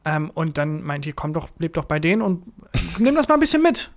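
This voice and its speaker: A man's voice: fairly high pitch, big pitch swings, brisk. A man who is a native German speaker, telling anecdotes casually as a podcast host and acting out quoted speech.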